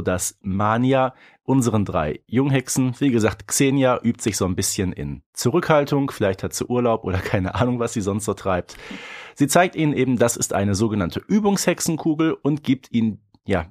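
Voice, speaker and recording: Male co-host, mid-range voice, informal conversational podcast delivery. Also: mid-range voice. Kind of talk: casual podcast discussion of audio dramas.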